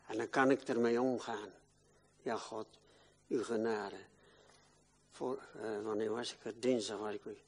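An older man preaching a sermon in a church, swinging from loud declaiming to quiet, confiding talk. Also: lowish voice, gravelly, long reverb tail, slight background noise.

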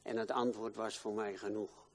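An older man preaching a sermon in a church, swinging from loud declaiming to quiet, confiding talk. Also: lowish voice, flat delivery, moderate pace, big-room sound.

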